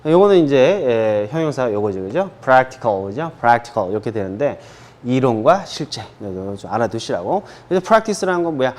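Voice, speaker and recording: A man from South Korea teaching an English grammar lesson in Korean, checking in with listeners often and slowing way down to model English phrases for repetition. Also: medium pitch, sing-song, a little mellow. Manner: drills students with frequent "그죠?" and slow English repeats.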